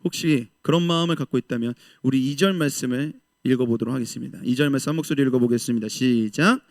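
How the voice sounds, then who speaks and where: A man preaching a passionate sermon to young adults, switching between loud calls and soft asides and acting out the quoted voices. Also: medium pitch, quick pace, no room sound, clean studio sound. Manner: voices the doubters and God's reply in lively quoted speech. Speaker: pastor.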